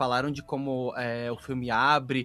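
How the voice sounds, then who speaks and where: An enthusiastic man with a gaúcho accent, music in the background. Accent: noticeable gaúcho. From Rio Grande do Sul, southern Brazil. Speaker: film critic and interviewer. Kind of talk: interview. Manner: halting, many repetitions and fillers.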